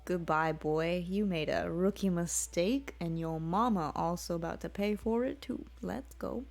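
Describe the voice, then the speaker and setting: A woman voicing a cold, mocking male Dremora demon with a put-on British accent, speaking softly and half-whispered. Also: lowish voice, measured pace, gravelly. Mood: gloating.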